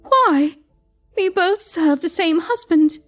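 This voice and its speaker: A woman's voice: very high-pitched, animated, slow, a bit bright, soft background music, heavily acted. A woman voicing a naive, tearful young royal concubine who speaks with childlike, pleading innocence. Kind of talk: audio drama acting.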